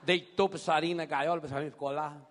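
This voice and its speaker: A priest preaching a sermon, telling stories in an animated way and mimicking voices. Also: male voice, fairly high pitch, racing. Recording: long hall reverb.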